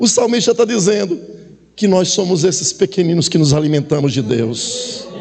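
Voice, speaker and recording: Pitched high, a man's voice swings across a very wide pitch range while his loudness stays very even. Noticeable background noise runs behind him. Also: moderate pace. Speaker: pastor. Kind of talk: sermon. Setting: church. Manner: animated.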